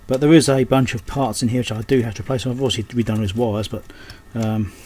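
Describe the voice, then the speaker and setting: Slight background noise sits under this electronics repair technician and host as he mutters unscripted fragments while working at his indoor workbench. He speaks quickly in a mellow, mid-range voice with fairly even intonation.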